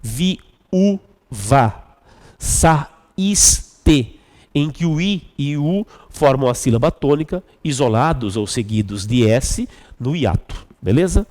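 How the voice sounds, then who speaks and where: A man's voice: medium pitch, expressive, takes it slowly, darkish tone, big-room sound. A male Brazilian Portuguese teacher going through exam questions step by step, often checking in with the students. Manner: explains step by step, asks "tá bom?". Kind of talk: exam review lesson.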